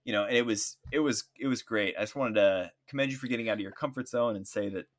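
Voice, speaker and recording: A man in his forties with a fairly low voice chats easily on a podcast. He talks in a relaxed, unhurried way and often pauses on fillers as he finds his words. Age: 40s. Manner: relaxed, easygoing, with frequent fillers. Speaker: podcast co-host. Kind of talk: casual podcast chat.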